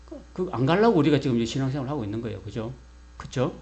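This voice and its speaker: A man's voice: mid-range voice, very animated, very fast, dark tone. A pastor preaching a sermon. He keeps asking the congregation questions and answering them himself, and leads them in call and response.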